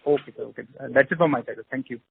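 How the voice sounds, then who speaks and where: Fast-talking analyst on the phone. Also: male voice, medium pitch, gravelly. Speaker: analyst caller. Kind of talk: asking questions on earnings call. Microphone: telephone. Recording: tinny phone line with noise and clicks.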